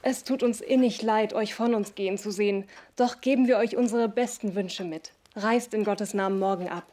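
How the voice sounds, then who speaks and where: A woman's voice: medium pitch, fairly even intonation, normal speed, natural voice. A woman playing a gracious lady of the house. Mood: formal. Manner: polite, formal, warmly courteous. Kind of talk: radio drama acting.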